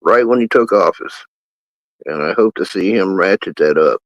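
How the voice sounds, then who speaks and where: A man's voice: sits low, moderate pace, dry recording. A man co-hosting a casual chat, speaking bluntly and plainly with firm opinions. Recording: dull lo-fi dry sound.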